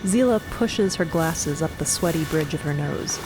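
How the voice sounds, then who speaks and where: A woman narrates an audio drama in a scripted, dramatic style. Her voice is a little low for a woman, and music runs clearly behind it. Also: lively intonation, moderate pace, rough recording.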